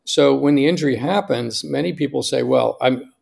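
Gravelly American man in his sixties. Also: mid-range voice, fairly quick, a little mellow. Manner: emphatic, often tags sentences with "right?". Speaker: podcast guest, longevity doctor. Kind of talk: conversational interview, personal anecdotes.

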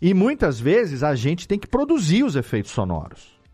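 A Brazilian man with a fairly high voice talks as a podcast host. He explains in an informal, conversational way, often repeating words, with music behind him. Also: wildly swooping pitch, moderate pace, dark tone, breathy edge. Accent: Brazilian Portuguese. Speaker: podcast host and audio drama editor.

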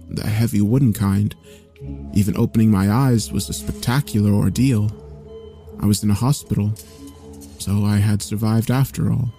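A man narrating a scripted first-person horror story in a measured, solemn way. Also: on the low side, mellow. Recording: faint music behind. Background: faint background music.

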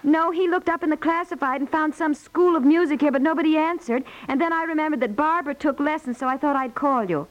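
A woman's voice: high-pitched, fast talker, few pauses, close to an everyday voice, rough recording. A woman playing a patient, practical housewife and mother in a naturalistic 1950s radio comedy. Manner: conversational, placating.

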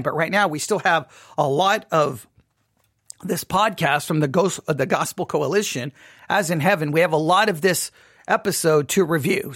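A man's voice: fairly high pitch, fairly bright tone, no room sound, studio quality. A man hosting a solo commentary podcast, talking earnestly with repeated emphasis and frequent restarts. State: voice briefly giving out. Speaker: podcast host.

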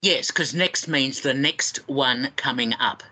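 A man's voice: mid-range voice, slow pace, sharp tone, husky, rough recording. A man whose first language is German, an easygoing film critic on a casual panel, chuckling as he talks.

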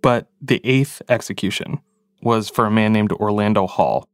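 A man's voice: lowish voice, normal speed, dry recording, clean studio sound. A man, a podcast producer, narrating a story in a casual, reflective way with frequent fillers.

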